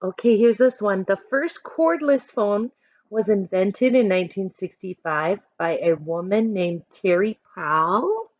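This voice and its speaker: A woman teacher reading aloud to children, adding chatty instructive asides in an expressive manner. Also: medium pitch, measured pace, no room sound, dull audio. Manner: expressive, instructive, acts out short examples.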